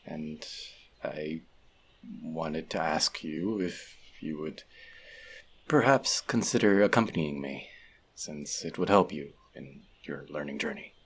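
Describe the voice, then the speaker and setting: Very deep and slightly rough, a man speaks slowly and acts heavily as a bookish, earnest elf outcast. The scripted audio roleplay is addressed to the listener, with the character confiding in a friend, unsure of himself and hesitant.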